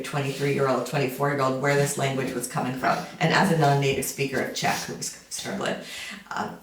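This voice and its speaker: A lecturer in their fifties giving an informal summer school talk, conversational and full of fillers, with wry asides. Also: mid-range voice. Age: 50s. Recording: roomy sound from a distant mic.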